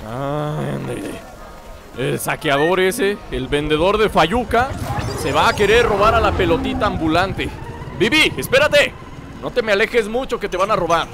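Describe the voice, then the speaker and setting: A man's voice: sits high, moderate pace, creaky, noisy background. A young man giving casual, joking gameplay commentary and talking back at the game. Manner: joking, animated, talks to the game. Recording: voice over loud game music.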